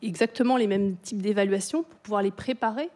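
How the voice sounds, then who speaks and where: A woman talking about schools as a radio guest. Her voice is mellow and she hesitates often, filling gaps with fillers. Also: mid-range voice, brisk. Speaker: guest on education.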